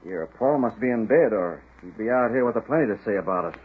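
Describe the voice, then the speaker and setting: An actor playing an earnest, modest young railroad builder with folksy manners in 1930s radio style. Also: male voice, lowish voice, expressive, fast talker, husky. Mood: concerned. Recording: tinny 1930s radio recording.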